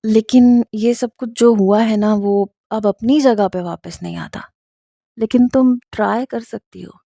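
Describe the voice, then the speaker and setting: Woman reading as a young man in love, playful and coaxing, mellow voice, dry sound. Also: on the high side, creaky, no echo. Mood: teasing.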